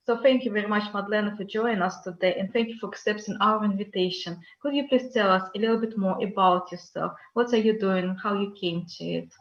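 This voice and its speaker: A woman's voice: medium pitch, a little fast, hardly any pauses. Hesitant woman co-host, roomy muffled audio. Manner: hesitant, stumbling, with fillers. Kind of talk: interview introduction. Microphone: video call.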